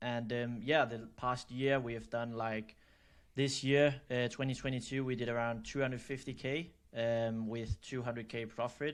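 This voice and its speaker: A man speaks in a flat monotone with a Danish accent. The background is quiet. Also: medium pitch for a man, fairly slow pace. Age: 20s. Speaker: marketing agency owner. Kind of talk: interview.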